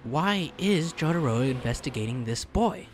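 A man's voice: mid-range voice, lively intonation, normal speed, a little hiss or hum, lightly acted. A man voicing a polite, earnest, easily flustered teenage boy in a comic fan dub. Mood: matter-of-fact narration. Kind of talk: fan-dub narration and dialogue. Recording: music behind the voice.

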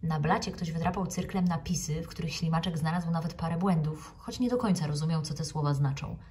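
A woman, an actress, reading a children's book aloud in a calm, measured way. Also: deep voice, recorded from a distance.

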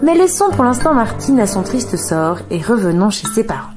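A woman narrating a children's tale in a calm, expressive storybook reading. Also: a little high, normal speed. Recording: radio studio with music bed.

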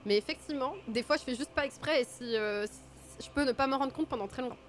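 A woman's voice: high-pitched, quick pace. A woman streaming a video game with casual, self-mocking commentary, her nose stuffy from a cold. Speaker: gaming streamer.

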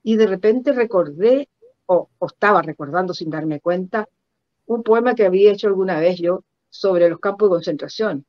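An older woman with a Chilean accent recounts personal stories reflectively in an interview, halting and repeating words for emphasis over a video call. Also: mid-range voice, dry recording. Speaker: guest performance artist. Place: indoor room at home. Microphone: computer mic on a video call. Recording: dull lo-fi video call audio.

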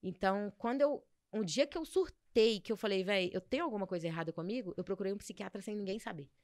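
Fast-talking young woman, dry studio sound. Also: medium pitch, no echo. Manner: animated storytelling, acts out quoted voices. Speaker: podcast guest. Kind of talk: casual podcast conversation.

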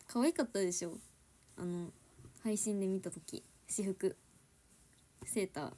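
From home, a young adult idol livestreamer with a Kansai accent chats casually with viewers, giggling often and moving between standard Japanese and Kansai dialect. Her voice is medium-pitched and warm, and she speaks a little slowly.

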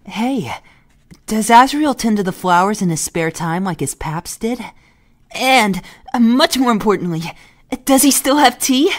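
A woman reading fan questions for a comic dub in an animated manner. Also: a little high, a little slow.

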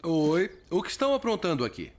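Young cartoon father, Brazilian accent, playful and good-natured, hugely animated delivery. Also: a little high, a little fast, soft background music. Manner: playful, expressive.

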